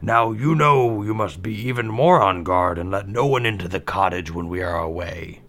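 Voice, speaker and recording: A man voicing a group of kindly, protective dwarf miners in a read-aloud fairy tale, speaking in a warm, cautioning way. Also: lowish voice, normal speed, natural voice. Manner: kindly, warning. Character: seven kindly male dwarves, protective miners.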